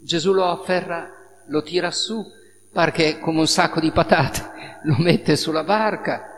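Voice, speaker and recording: A male priest giving a sermon, telling the story in a lively way with spoken sound effects. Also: fairly high pitch, unhurried. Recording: reverberant hall with faint noise.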